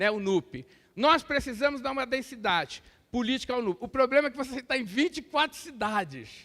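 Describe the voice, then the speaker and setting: A man uses a raised, projected voice with a bright, sharp tone. He keeps a moderate pace and ordinary pitch variation. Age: 60s. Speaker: professor. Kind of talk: lecture.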